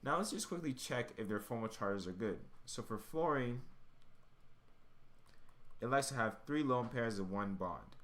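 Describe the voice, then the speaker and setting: A man's voice: medium pitch, lively intonation, unhurried, pauses often, a bit bright. A man giving an informal, step-by-step tutoring explanation, thinking aloud as he works. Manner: thinking aloud while working. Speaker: chemistry tutor.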